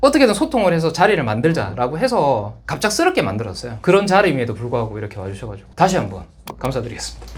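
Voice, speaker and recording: Talking at a very fast pace, a man's voice moves through very wide pitch swings. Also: medium pitch for a man. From South Korea, Daegu. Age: 40s. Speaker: online business instructor. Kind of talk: lecture to small audience. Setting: offline class with audience. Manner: casual, conversational.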